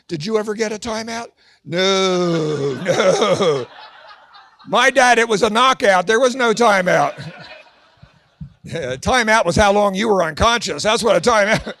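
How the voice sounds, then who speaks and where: A man in his sixties doing a Christian stand-up comedy routine, telling animated stories and acting out voices and shouts. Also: sits high, normal speed, dry recording. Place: large event hall with an audience.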